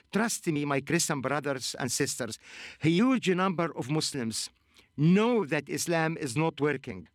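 A man from Egypt with an Egyptian accent, preaching and praying on a radio program in an earnest, emphatic, deliberate manner. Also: on the high side, dry recording, studio quality. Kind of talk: radio sermon with prayer.

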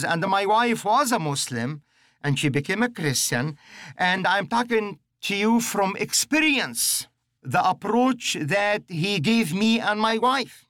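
A middle-aged man speaks on a religious teaching broadcast, earnest and emphatic like a preacher. His voice sits a little high for a man. The sound is close and dry, with no room around it. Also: a bit bright, dry recording. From Egypt. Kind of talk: religious radio teaching program.

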